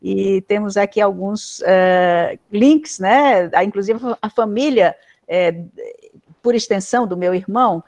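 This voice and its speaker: A woman moderating an online academic talk, friendly and chatty, pausing often to search for words. Her voice is mid-pitched and plain, heard through a video call. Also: darkish tone.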